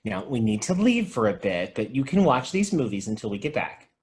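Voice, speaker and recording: A man acting out an excitable, earnest cartoon store clerk who loves demons. His pitch swings widely as he lurches into dramatic, indignant outbursts. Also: fairly quick, natural voice. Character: excitable demon-loving young male video store clerk, earnest, melodramatic. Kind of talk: animated comedy table read.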